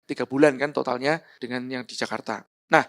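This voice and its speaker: A middle-aged man, a speaker with Javanese as his first language, telling a personal story in a lively, animated way. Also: fairly quick. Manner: animated storyteller, voices quotes with big pitch jumps. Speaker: motivational speaker. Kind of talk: storytelling talk.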